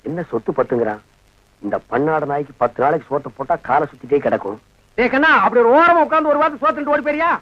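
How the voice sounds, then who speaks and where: An actor playing a sharp-tongued, insulting village man in a comedy film, firing off rapid put-downs. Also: fairly high pitch, natural voice. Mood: scolding. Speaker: grumpy householder in a comedy film. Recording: dull lo-fi film soundtrack.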